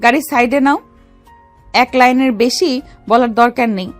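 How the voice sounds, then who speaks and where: A woman's voice: fairly high pitch, a little slow, lightly acted. A woman playing a bold young female gangster and secret officer in a dramatized love story, commanding yet affectionate. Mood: cold, commanding. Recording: music under the voice.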